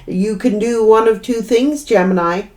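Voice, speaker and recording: A woman's voice: fairly high pitch, normal speed, a little mellow. A woman giving a tarot reading, blunt and scolding in tone, with mild swearing and emphatic repetition. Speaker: tarot reader.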